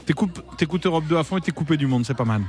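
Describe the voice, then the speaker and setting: A bright-voiced man in his thirties leads a radio quiz with playful, chatty energy. He laughs easily and keeps things moving with quick banter, while faint music plays beneath his voice. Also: fairly high pitch, expressive. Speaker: radio host. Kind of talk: upbeat radio game show patter.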